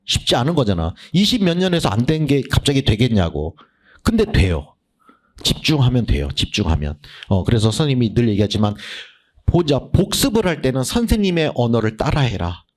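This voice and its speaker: A man lectures to his students in a loose, blunt way, breaking into quick impressions of them. His pitch leaps up and down constantly, and his voice is otherwise mid-range. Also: very animated. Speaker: English literature lecturer. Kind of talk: casual lecture orientation.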